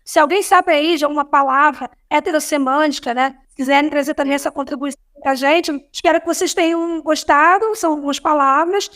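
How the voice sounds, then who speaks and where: A woman's voice: high-pitched, a little fast, hardly any pauses, fairly bright tone. A Brazilian woman with a Brazilian Portuguese accent, a teacher explaining words in a casual online lesson, repeating terms and often adding "né". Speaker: language teacher.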